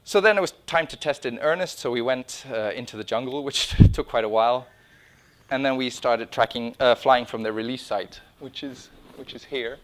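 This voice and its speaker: A man with a mid-range voice speaks at normal speed, giving an informal conference-style talk with slides about his own drone project. It takes place in an indoor meeting room or small lecture room.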